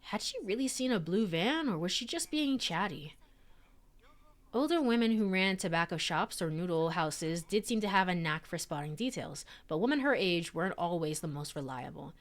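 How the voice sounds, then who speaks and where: A woman streams a visual novel, reading it aloud and adding chatty, giggly commentary packed with "like" and "um." Her voice is lowish and animated, at a normal speed.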